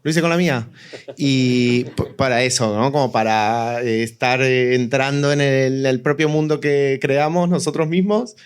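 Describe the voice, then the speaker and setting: A man's voice: medium pitch, measured pace, clean tone. A man talking casually as a fiction writer in a panel discussion.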